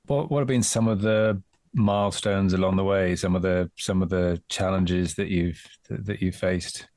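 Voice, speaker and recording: A man's voice: low-pitched, steady tone, normal speed, darkish tone, dry recording, studio quality. A man hosting a podcast interview in a conversational way, tentatively rephrasing his thoughts and checking for agreement.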